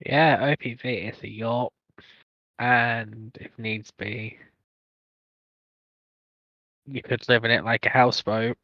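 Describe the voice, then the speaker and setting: A man's voice: mid-range voice, steady tone, a little slow, no room sound, highs cut off. A man chatting casually as a panelist, arguing his points bluntly. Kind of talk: casual debate chat.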